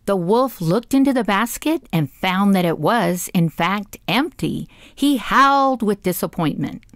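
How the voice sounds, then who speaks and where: A woman's voice: medium pitch, animated, a little slow, no room sound, clean studio sound. A woman narrating a scripted children's story as the storyteller.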